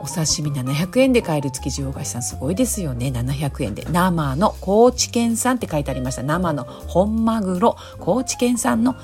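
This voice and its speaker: A woman with a hoarse, raspy voice, chatting casually and politely on her own as the host of a talk show. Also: fairly low pitch, big pitch swings, normal speed, hardly any pauses, faint music behind. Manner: polite, chatty, frequent softening particles. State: hoarse, raspy voice from drinking the night before. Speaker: host of a snack-bar themed talk show. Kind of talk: casual solo chat monologue.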